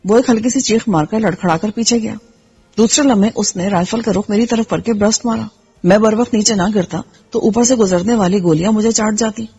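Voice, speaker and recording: A woman reading a first-person action novel aloud in steady storytelling narration. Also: mid-range voice, husky. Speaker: audiobook narrator. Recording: slightly dull with faint music.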